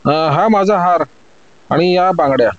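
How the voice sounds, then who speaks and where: A woman's voice: fairly low pitch, a little slow, no echo, dull audio, pitched above the performer's own voice, close to an everyday voice. A man voicing a poor young woman who is frightened and indignant, speaking in a raised, pleading tone. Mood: relieved.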